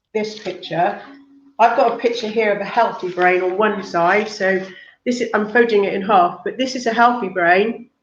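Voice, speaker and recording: Audible room echo surrounds a woman who speaks at a moderate pace, her fairly high voice held to fairly even intonation. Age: 60s. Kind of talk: interview. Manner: halting.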